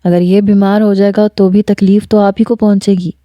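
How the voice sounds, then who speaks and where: A woman's voice: medium pitch, level tone, dark tone, dry recording, dull audio, natural voice. A woman voicing a caring young man who talks earnestly and reassuringly. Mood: concerned.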